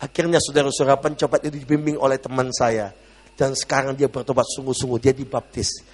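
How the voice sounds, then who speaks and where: A man preaching a sermon as a pastor, telling a story dramatically, shouting the lines of the people in it and calling the congregation to clap. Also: mid-range voice, little pitch movement, fast talker, in a large hall.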